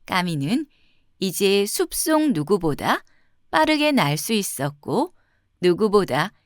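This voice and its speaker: A woman storyteller narrating a children's fairy tale from a script, with expressive, carefully phrased delivery. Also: mid-range voice, slow, dry recording, studio quality.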